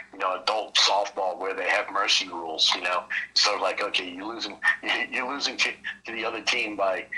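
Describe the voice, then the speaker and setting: A man's voice: lowish voice, pushed and bright, low-quality recording. A man explaining trading casually on a call, rambling and leaning on "you know" between thoughts. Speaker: trading mentor.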